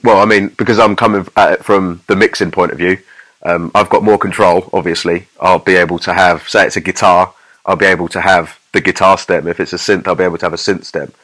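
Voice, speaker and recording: A man's voice: low-pitched, fairly even intonation, a little fast, a bit bright, rough recording. A man co-hosting a podcast as a mix engineer, giving casual technical explanations in an informal, rambling way full of examples.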